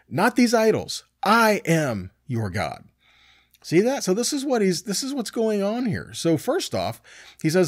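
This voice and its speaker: A man's voice: a little high, a little mellow, dry recording, clean studio sound. A middle-aged man teaching scripture conversationally, emphatic, posing rhetorical questions and checking in with his listeners. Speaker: Bible teacher. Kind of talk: conversational scripture teaching, reading verses and explaining.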